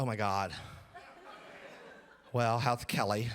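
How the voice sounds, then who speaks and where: Putting on a character voice, a man speaks nasally at medium pitch with monotone, flat intonation. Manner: mocking.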